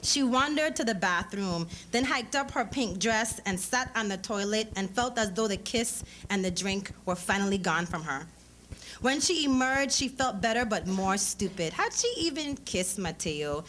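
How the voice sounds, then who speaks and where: At a noticeably noisy live event, a woman performs a story she wrote, reading the literary fiction dramatically and giving each character in the dialogue a distinct voice. She speaks at a moderate pace in an animated, mid-range voice with a fairly bright tone.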